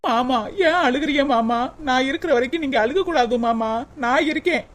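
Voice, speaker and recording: A woman's voice: high-pitched, a little fast, very noisy, lightly acted. A woman voicing a devoted young wife in a cartoon, talking in a pleading, reproachful way. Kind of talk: cartoon voice acting.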